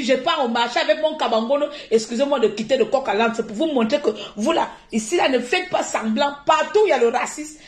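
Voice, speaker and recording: Woman streamer, high-ish voice, animated and indignant, roomy echo. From Gabon. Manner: animated, laughing often, turning forceful and indignant. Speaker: activist live-streamer. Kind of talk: live stream commentary.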